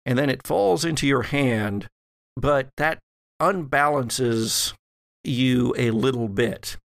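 A man's voice: mid-range voice, takes it slowly, gravelly, dry recording, studio quality. A man narrating a tabletop horror game as game master.

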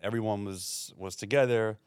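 A man's voice: lowish voice, fairly even intonation, normal speed, clean tone, no room sound, clean studio sound. A man hosting a casual interview, easygoing and laughing along with his guest. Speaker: interviewer host. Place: studio.

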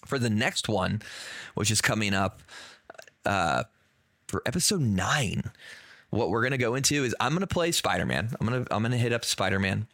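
A man co-hosting a casual gaming podcast, hoarse and losing his voice from being sick, rambling through his points with lots of fillers. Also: lowish voice, lively intonation, moderate pace, a bit bright, no room sound, studio quality. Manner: rambling, filler-heavy, says y'all. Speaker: podcast co-host.

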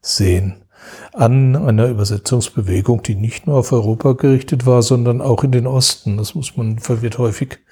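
A man's voice: mid-range voice, normal speed, dark tone, slightly rough. A man speaking as an expert guest in an interview, explaining history in a lecturing way, often restarting and searching for words. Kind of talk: academic interview talk.

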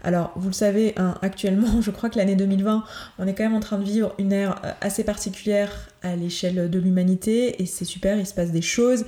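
A woman's voice: mid-range voice, fairly even intonation, fairly quick, warm tone, echoey room. A woman hosting her own coaching podcast, talking earnestly and hesitantly, with many fillers and restarts. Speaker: podcast host, certified coach. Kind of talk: solo podcast talk.

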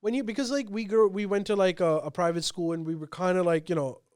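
A man's voice: sits high, fairly even intonation, fast, a little mellow, smooth, no room sound, clean studio sound. A man from Pakistan whose first language is Urdu, co-hosting a podcast and explaining things in a casual, talkative way. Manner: explanatory, speaks in long informal runs with fillers. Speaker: podcast co-host.

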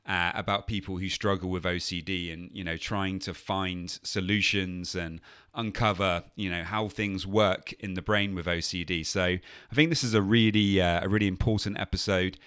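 Deep-voiced man hosting a podcast. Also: fairly even intonation, normal speed, a bit bright, clean tone, no echo, studio quality. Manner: friendly, many uhs and restarts. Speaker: podcast host and coach. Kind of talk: podcast intro and interview.

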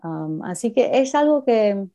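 A woman's voice: fairly high pitch, big pitch swings, measured pace, dark tone. A woman with a mixed Cuban and Argentine Spanish accent, chatting casually as a guest. She hesitates often with fillers and slips in English phrases. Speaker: interview guest. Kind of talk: casual conversation. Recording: dull lo-fi recording.

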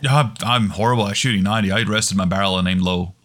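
A man chatting casually on a podcast about competition rifle shooting, telling relaxed, rambling stories. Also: on the low side, fast. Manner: relaxed storytelling with lots of fillers and restarts.

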